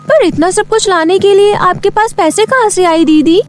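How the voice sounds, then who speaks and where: A woman voicing an excited, curious schoolgirl little sister in a cartoon story. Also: extremely high pitch, moderate pace, soft background music, pitched above the performer's own voice. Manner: excited, wide-eyed.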